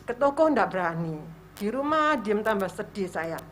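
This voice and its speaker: A woman's voice: medium pitch, big pitch swings, moderate pace, slight background noise. A woman in her seventies with an East Javanese accent, giving a personal testimony at a worship service and acting out her prayers as she tells the story. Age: 70s. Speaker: church member giving testimony.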